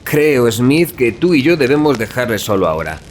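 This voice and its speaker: A man's voice: mid-range voice, very animated, normal speed, slight background noise, lightly acted. An actor playing a blunt, hearty young male student in an audio drama, emphatic. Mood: puzzled, firm.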